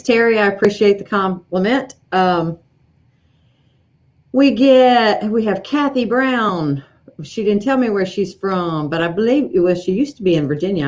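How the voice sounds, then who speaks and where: A middle-aged woman from East Tennessee with a Southern accent, hosting a casual live stream from her home sewing room, chatting and greeting viewers with lots of fillers and restarts. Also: mid-range voice. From East Tennessee, USA. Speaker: livestream host, embroidery educator. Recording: slightly dull lo-fi livestream audio.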